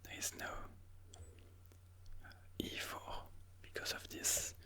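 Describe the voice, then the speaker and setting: Breathy whisper, crisp bright sibilance, ASMR chess commentary, hushed and deliberate host. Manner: slow, hushed, deliberate explaining of moves.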